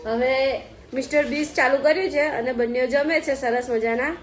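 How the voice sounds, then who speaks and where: A woman's voice: sits high, fairly even intonation, normal speed. A woman, chatting casually to her phone camera at home as a family vlogger. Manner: chatty, laughs often. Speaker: vlogger, mother.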